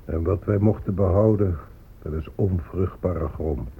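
An actor playing a grieving, weary Native American chief, solemn and declamatory, in a radio drama. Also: male voice, vocal fry, husky, exaggerated voice. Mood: grave, reproachful. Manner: slow, declamatory, mournful. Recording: muffled lo-fi tape with faint rumbling noise.

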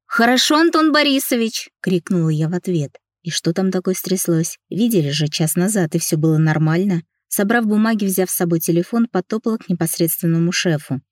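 A woman narrating a first-person romance novel as an audiobook, in a lively, emotional way. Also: on the low side, a little fast, few pauses, dry recording, studio quality.

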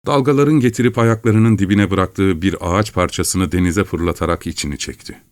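A man narrating an audiobook in a calm, measured storytelling manner. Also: low voice, no echo.

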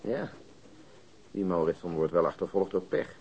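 An actor playing a querulous, nagging police detective in a radio crime drama. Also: male voice, sits low, normal speed, darkish tone, dull audio. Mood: grumbling.

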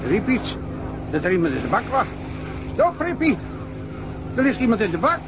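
An actor playing a gruff, irritable dredging-boat worker in a radio drama, blunt and agitated, with engine noise behind. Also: male voice, high-pitched, wildly swooping pitch, normal speed.

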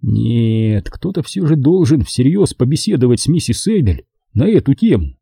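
Dark husky male audiobook narrator. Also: medium pitch, big pitch swings, moderate pace, dry recording, clean studio sound. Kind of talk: first-person audiobook narration.

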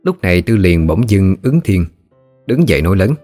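A man tells a ghost story in a steady, unhurried manner. His voice is very low and even. Faint music runs under the narration.

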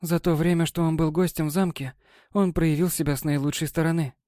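Brief: soft, coaxing sea captain's wife, put on by a male reader, lifted mellow tone. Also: fairly high pitch, fairly even intonation, a little fast, dry recording, studio quality, voice pushed up, close to an everyday voice. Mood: tender. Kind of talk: audiobook character voice.

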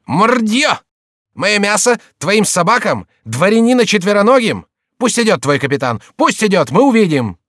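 A man voicing a cheeky, gluttonous male court jester with a high, teasing voice in an audiobook. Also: very animated, normal speed, fairly bright tone, no room sound, clean studio sound. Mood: indignant. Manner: cheeky, teasing, shrill outbursts. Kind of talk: audiobook character voice.

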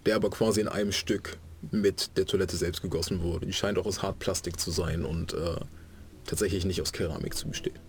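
A low-voiced man runs a tabletop horror game, describing details patiently with frequent fillers and hedges. A faint hiss of noise sits under his voice. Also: steady tone, a little fast. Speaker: game master.

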